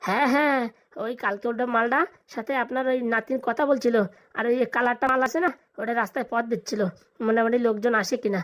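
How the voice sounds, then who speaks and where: A woman's voice: fairly high pitch, steady tone, quick pace, lightly acted. A woman voicing a nervous, balding young bridegroom in a comic cartoon, hesitant and deferential. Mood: eager, tattling.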